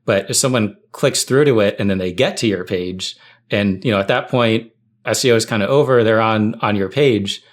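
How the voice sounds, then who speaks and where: A man with a fairly low voice speaks in a casual, conversational way. He sounds like a podcast guest sharing anecdotes and practical thoughts. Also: moderate pace. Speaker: tech writer, podcast guest.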